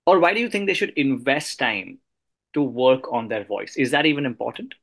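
A man's voice: medium pitch, lively intonation, moderate pace, vocal fry, fairly bright tone. A man hosting a podcast interview, speaking in an articulate, polite way. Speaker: podcast host. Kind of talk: podcast interview, scripted introduction.

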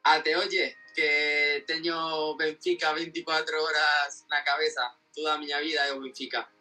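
A man in his twenties from Spain with a Spanish accent, a native Spanish speaker giving casual, halting interview answers as he searches for words. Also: a little high, little pitch movement, sharp tone. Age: 20s. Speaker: interview guest, football fan. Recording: distant mic with faint music behind.

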